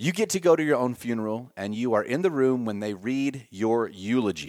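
On a very clean recording with a silent background, a man of medium pitch talks at a moderate pace. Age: 40s. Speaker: podcast host. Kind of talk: casual monologue. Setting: at home. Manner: informal, off the cuff.

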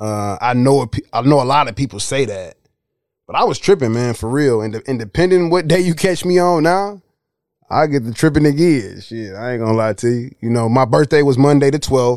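Lively intonation and a fairly quick pace come through on a very clean recording with a silent background. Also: man, medium pitch for a man. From Detroit. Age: 30s. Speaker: podcast host. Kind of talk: casual monologue.

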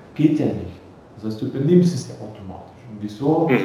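A man talks at a moderate pace with a fairly high pitch and lively intonation. Audible room echo and noticeable background noise are present. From Bosnia. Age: 30s. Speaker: health coach. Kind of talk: interview. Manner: animated.

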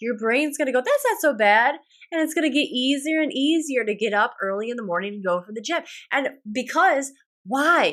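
Her tone warm and enthusiastic, a woman speaks at a high pitch and moderate pace with lively intonation. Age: 30s. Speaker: podcast host. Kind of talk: pep talk; solo motivational podcast monologue. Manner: animated, urgent, commanding; warm, enthusiastic, encouraging.

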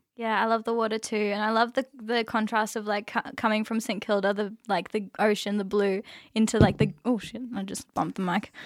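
In an Australian accent, the voice runs on with hardly any pauses and a monotone, flat intonation, recorded very cleanly against a silent background. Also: woman, fairly high pitch for a woman, fairly quick pace. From Australia, Victoria (Gembrook area), Chilean heritage. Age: 20s. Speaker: neo soul singer. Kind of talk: casual interview. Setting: studio.

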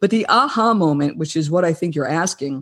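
A woman in a New Jersey accent, fairly low in pitch with ordinary pitch variation, against a quiet background. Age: 50s. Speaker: health and wellness coach, former corporate executive. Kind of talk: interview answers, conversational.

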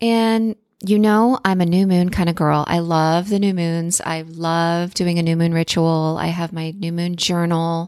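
On a very clean recording with a silent background, a woman with an American accent and an unremarkable speaking voice talks at a fairly slow pace and a fairly low pitch, with hardly any pauses. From South Florida. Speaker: yoga and meditation teacher, podcast host. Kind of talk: guided meditation. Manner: calm, slow, soothing; warm, gentle, pausing.

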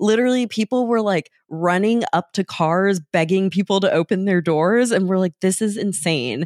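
A woman with a Southern US accent talks at a moderate pace in a medium pitch. The sound is dry and close with no echo, and the recording is very clean against a silent background. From US South. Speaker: podcast co-host. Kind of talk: casual chat.

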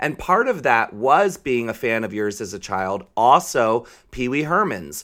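The voice has an animated, bright, sharp tone with very wide pitch swings. The recording is very clean, with a silent background. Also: man, medium pitch for a man, fairly slow pace. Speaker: podcast co-host. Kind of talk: casual chat.

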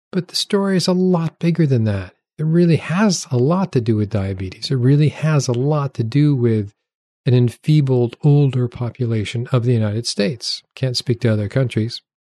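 A man speaks in a dark, mellow tone that is somewhat breathy, with lively intonation. The sound is dry and close with no echo, against a quiet background. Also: medium pitch for a man, moderate pace. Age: 60s. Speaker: podcast host, naturopathic doctor. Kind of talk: solo podcast monologue. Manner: casual, conversational.

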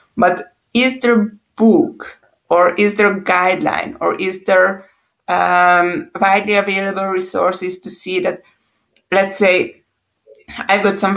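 Speaking at a fairly slow pace, a woman with a Hungarian accent keeps her medium pitch at a fairly even intonation. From Hungary. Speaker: podcast host. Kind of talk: interview.

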